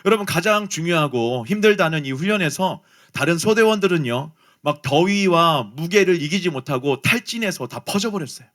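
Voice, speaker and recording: A man's voice: a little high, normal speed, hardly any pauses. A man preaching a youth sermon, telling a personal story and speaking straight to his listeners. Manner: animated storytelling, addresses listeners directly. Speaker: pastor.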